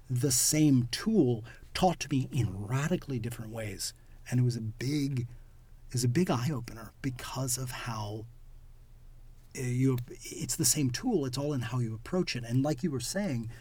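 A husky, mid-range male voice belongs to a podcast co-host who also performs as a clown. In reflective, casual conversation he explains things thoughtfully, his phrases trailing off quietly at the ends.

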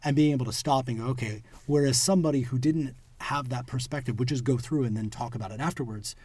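A husky-voiced man talks through an idea at a relaxed, conversational pace. He explains carefully and often lets the ends of his sentences drop to a murmur. His pitch sits in an ordinary middle range. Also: quick pace, dry recording. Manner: thoughtful, explanatory, trailing off quietly at ends of phrases. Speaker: podcast co-host and clown performer. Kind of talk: reflective casual conversation.

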